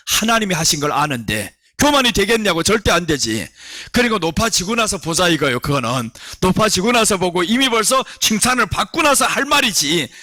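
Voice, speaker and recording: A male pastor preaching a sermon, telling Bible stories with animated delivery and voicing the characters. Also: high voice, dry recording, clean studio sound. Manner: animated storytelling, acting out biblical characters' voices.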